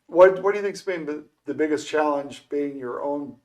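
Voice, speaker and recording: A man's voice: fairly high pitch, moderate pace, darkish tone. An older man hosting an interview show, chatty and rambling, often restarting his questions. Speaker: show host. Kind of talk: casual interview conversation.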